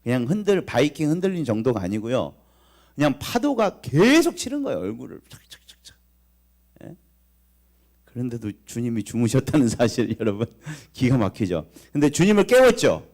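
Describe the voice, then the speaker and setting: A man's voice: mid-range voice, moderate pace. A male pastor preaching a Sunday sermon, telling a story vividly and putting questions straight to the congregation. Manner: animated storytelling with acted lines of Jesus; talks directly to the congregation, asking questions.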